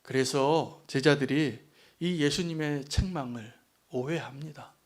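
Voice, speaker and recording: A middle-aged man preaching a Sunday sermon as pastor, earnest, rising to emphatic peaks and dropping soft on asides. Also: fairly high pitch, unhurried.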